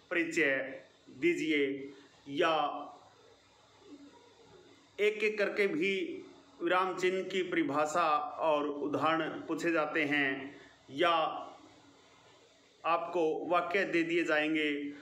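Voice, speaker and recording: A male teacher gives a grammar lesson to children with a fairly high, bright voice. He speaks slowly and deliberately and leans on key words. The room around him is echoey. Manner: slow, deliberate explaining with stressed key words. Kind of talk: online video lesson for schoolchildren.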